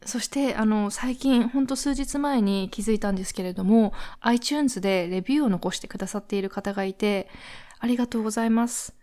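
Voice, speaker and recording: A woman's voice: mid-range voice, brisk, mellow. Chatty Japanese-born woman podcast host. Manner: chatty and friendly, with frequent fillers. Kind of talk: casual solo podcast chat.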